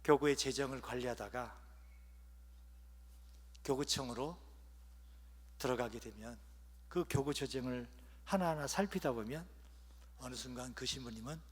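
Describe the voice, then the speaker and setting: A man preaching as a bishop at an ordination, telling humorous stories and letting his phrases trail off softly at their ends. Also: a little high. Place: large cathedral. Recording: long cathedral reverb.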